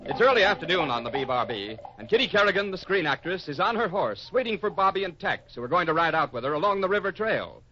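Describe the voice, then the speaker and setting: Male serial narrator: high-ish, animated delivery, muffled and noisy old radio recording. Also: fast, hardly any pauses, faint music behind. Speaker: announcer, narrator. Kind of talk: 1950s radio scripted narration.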